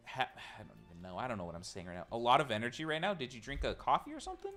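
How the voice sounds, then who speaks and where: While building a robot on a live stream, a man chats casually with his viewers, rambling and poking fun at himself as he tinkers. His medium-pitched voice is sing-song, rapid-fire and sharp. Faint music plays in the background.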